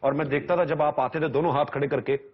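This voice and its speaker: A man's voice: on the high side, steady tone, quick pace, husky. A male comedy talk show host asking teasing, joking questions. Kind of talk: comic talk show interview. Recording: dull lo-fi sound with loud audience.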